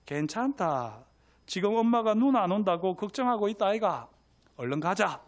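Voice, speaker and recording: A man voicing a calm, clever little boy who speaks in Gyeongsang dialect, in a sermon story. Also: high-pitched, normal speed. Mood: reassuring.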